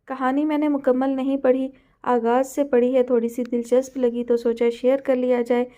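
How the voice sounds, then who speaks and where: A high-voiced woman reads a novel aloud as audiobook host, opening with polite, formal greetings to her listeners. Her tone is soft and mellow, and she speaks in an even storytelling manner. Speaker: novel reader, channel host.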